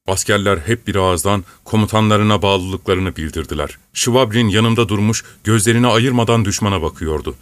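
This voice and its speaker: Male audiobook reader, low voice, measured delivery, dry close recording. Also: no echo. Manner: measured, even storytelling. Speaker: audiobook narrator. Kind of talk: scripted narration.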